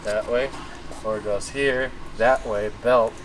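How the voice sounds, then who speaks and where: A man's voice: medium pitch, fairly even intonation, takes it slowly, over music, poor audio. A man working as a mechanic, talking in a matter-of-fact way while he inspects an engine in a garage. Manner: matter-of-fact, short answers. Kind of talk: casual shop talk. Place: auto repair garage. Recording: loud garage noise.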